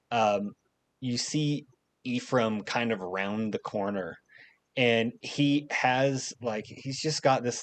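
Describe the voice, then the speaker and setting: A man narrating a tabletop game as game master, rambling with many fillers. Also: medium pitch.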